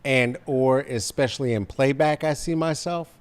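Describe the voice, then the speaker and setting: Smooth baritone host on a video call. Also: male voice, moderate pace. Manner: animated, emphatic, gestures while talking. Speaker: podcast host. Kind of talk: casual conversation. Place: home room on a video call. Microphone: studio mic in frame, earbud.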